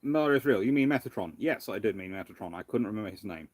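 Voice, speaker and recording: A man hosting a casual live question-and-answer stream, thinking aloud in a halting, rambling way. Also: fairly low pitch, animated, no echo, clean studio sound. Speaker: livestream host, naval historian. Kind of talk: casual live Q&A with off-the-cuff commentary.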